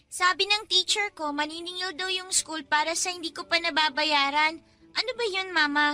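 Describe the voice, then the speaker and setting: A very high, bright child's voice, for an innocent and hungry Filipino schoolgirl in a radio drama. She is polite and questioning, with music softly behind her. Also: moderate pace. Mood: innocent, curious. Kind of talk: Tagalog radio drama acting.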